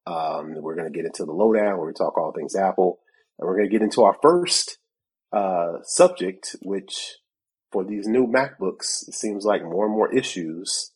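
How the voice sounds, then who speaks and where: A man's voice: deep voice, darkish tone, breathy edge, poor audio. A man co-hosting a tech podcast in casual chat, a bit congested from a cold, who laughs often and acts out both sides of conversations. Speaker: podcast co-host.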